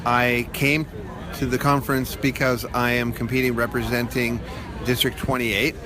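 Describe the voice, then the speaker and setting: A man's voice: mid-range voice, little pitch movement, normal speed. A man from Ontario, Canada, a speech contestant, speaking plainly and a little hesitantly. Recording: crowd noise on a convention floor.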